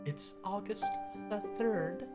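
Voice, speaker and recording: A man voicing a sweet, soft-spoken young female nurse in an exaggerated, cutesy falsetto. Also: slow pace. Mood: caring. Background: loud piano game music.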